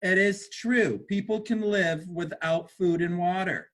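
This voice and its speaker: A man's voice: high voice, unhurried, fairly bright tone. A man hosting an interview, enthusiastic and affirming toward his guest. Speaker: interview host. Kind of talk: casual interview talk.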